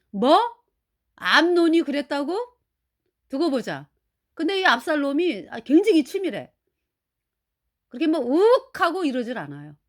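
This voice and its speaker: A woman preaching a sermon, retelling a Bible story in a colloquial way, acting out the quotes and asking listeners to agree. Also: high-pitched.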